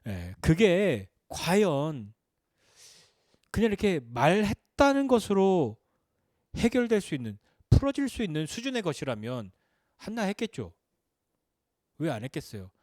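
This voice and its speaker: A man's voice: a little high, measured pace, long pauses, no room sound, clean studio sound. A man preaching a Sunday sermon as pastor, asking questions and answering them, his voice rising and dropping for emphasis. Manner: lively, questioning, rises and drops for emphasis.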